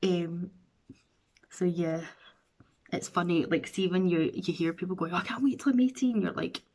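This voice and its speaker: A woman's voice: on the low side, normal speed, a little mellow, a little hiss or hum. A woman in her thirties with a Scottish accent, chatting casually and rambling to camera from her bedroom. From Scotland. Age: 30s. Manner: chatty, rambling, self-deprecating. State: runny nose. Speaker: beauty vlogger. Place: bedroom at home, indoors.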